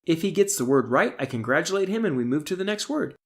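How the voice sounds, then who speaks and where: A middle-aged man, an author, reads his self-help audiobook in a deliberate, instructional way, stressing key terms. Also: fairly high pitch, very animated. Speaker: author reading own audiobook.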